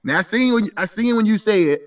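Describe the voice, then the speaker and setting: Give me a man in his thirties with a high voice, sounding far off and muffled, arguing insistently. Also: animated, brisk. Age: 30s. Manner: repetitive, stumbling restarts, insistent. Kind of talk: heated live-stream debate. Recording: muffled voice from a distance.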